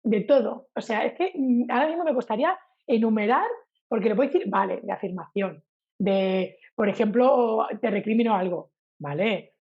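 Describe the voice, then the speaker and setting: Woman from spain, spanish teacher in an interview, husky voice, acts out examples, kinda muffled lo-fi sound. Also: on the high side, normal speed. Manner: animated, acts out examples with sung intonation. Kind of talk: casual interview talk.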